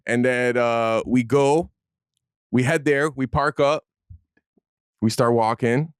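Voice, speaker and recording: A man's voice: mid-range voice, fairly even intonation, slow, clear, resonant tone, no echo, clean studio sound. A man with a Toronto accent and local street slang, telling a story casually in short, repetitive, punchy phrases. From Toronto, Canada.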